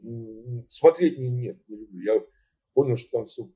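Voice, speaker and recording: Blunt seventy-year-old man, mellow voice. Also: medium pitch, animated, normal speed. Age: 70s. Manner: blunt, swearing, dismissive. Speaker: chat roulette stranger. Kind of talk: argumentative video chat. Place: indoor room. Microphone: video call.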